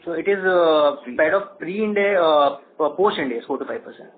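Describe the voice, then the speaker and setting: A man with an Indian accent and a slightly high voice. He answers financial questions as a company executive. It comes through a phone line with faint noise. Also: fairly quick. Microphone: telephone conference call. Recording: noisy narrow phone line.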